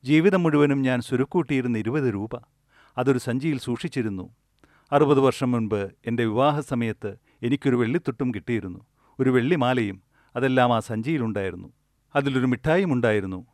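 A grieving old village woman mourns her lost little bag of savings, as a man speaking at a discourse puts her on. The voice stays at a middle pitch and is close and dry, told plainly rather than fully acted. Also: fairly quick, a little mellow, dry recording, lightly acted. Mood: lamenting.

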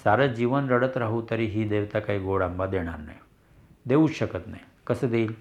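A man giving a spiritual discourse in a measured way, repeating phrases for emphasis. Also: on the low side, lo-fi sound. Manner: measured, repetitive rhetorical phrasing. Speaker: spiritual teacher. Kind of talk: dharma discourse.

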